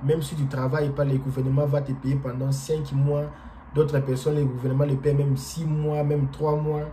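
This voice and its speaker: A man from DR Congo who isn't a native French speaker gives a relaxed, explanatory vlog monologue to camera. His mid-range voice is very dark and mellow, and he speaks hesitantly and haltingly, with frequent fillers, repeated words and restarts over faint noise.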